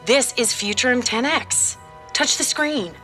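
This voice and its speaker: A woman's voice: a little high, measured pace, sharp tone, soft background music. A woman voice actor playing a girl's confident, urgent future self in a fiction podcast. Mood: urgent, assured.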